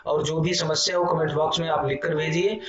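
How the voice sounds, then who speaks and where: A man teaching a Sanskrit grammar lesson for exam preparation. He explains in a repetitive, patient way, asks checking questions and reads rules and examples slowly. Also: on the high side, flat delivery, background noise. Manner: explanatory, repeats phrases, many fillers like "theek hai". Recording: roomy, distant, muffled, with music behind.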